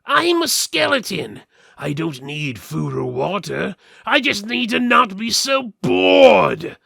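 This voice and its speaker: A man's voice: sits high, very animated, slow pace, creaky, pushed and bright, slightly rough, dry recording, studio quality, pitched above the performer's own voice, full character voice. A man voicing a pleading, chatty skeleton in a fantasy story, insistent and wheedling. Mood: exasperated, chatty. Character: pleading, chatty male skeleton, bored caged undead father. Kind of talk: fantasy audiobook dramatic reading.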